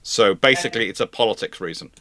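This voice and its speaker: A man's voice: on the low side, quick pace, sharp tone, dry recording. A man hosting a live history question-and-answer session, explaining things emphatically and often breaking off to rephrase himself. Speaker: host answering viewer questions.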